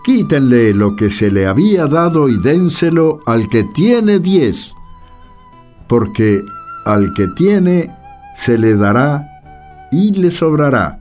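An actor playing a stern master in religious radio theatre, solemn, deliberate and emphatic. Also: male voice, fairly high pitch, sing-song, darkish tone, soft background music. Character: stern master rebuking a lazy servant, solemn parable reading.

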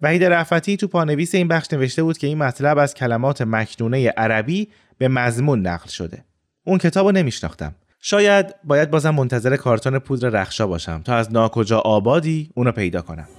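A man's voice: medium pitch, animated. A man narrating a reflective first-person story in a scripted style. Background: faint music.

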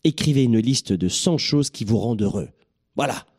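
A man from southern France giving an energetic, joking motivational talk to his listeners. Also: medium pitch, moderate pace, breathy edge. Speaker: motivational speaker.

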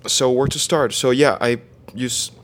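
A young man from Venezuela, a guest in a casual interview, who speaks haltingly, restarts often and searches for words. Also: medium pitch, steady tone, a little hiss or hum. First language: Spanish. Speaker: guest, online fitness coach.

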